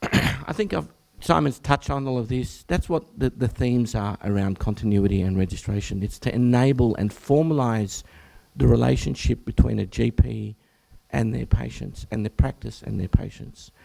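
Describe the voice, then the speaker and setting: An Australian man, a general practitioner, presenting to health professionals at an information session, with a croaky, hoarse voice; he clears his throat often and breaks off to restart phrases. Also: medium pitch, moderate pace, warm tone. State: hoarse, croaky from much talking.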